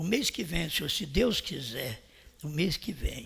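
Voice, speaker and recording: This man's voice sits fairly high, with a bright, sharp tone, lively intonation, some vocal fry, and a fairly slow pace. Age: 60s. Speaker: pastor. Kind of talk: sermon. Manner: animated.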